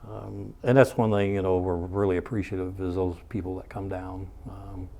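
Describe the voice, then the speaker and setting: A man's voice: sits low, little pitch movement, normal speed, gravelly, dark tone. A man giving casual interview answers in a plain-spoken, matter-of-fact way. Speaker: interview guest, charity plunge participant.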